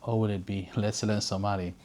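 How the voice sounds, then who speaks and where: A storyteller reading aloud for children and chatting casually to viewers in an expressive, informal, encouraging way. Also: deep voice, a little fast. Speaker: storyteller and presenter.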